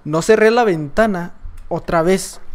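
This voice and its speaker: A man with a Mexican accent giving casual gameplay commentary, talking loudly and shouting often. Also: high voice, measured pace. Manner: loud, shouting and laughing often. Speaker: gaming YouTuber.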